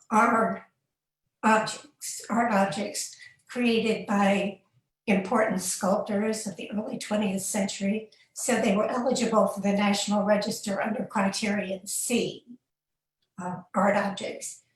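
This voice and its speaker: A woman on a panel explaining her preservation research in a steady, matter-of-fact way. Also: mid-range voice, measured pace. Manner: explanatory, with fillers. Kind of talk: panel discussion. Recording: echoey distant room sound.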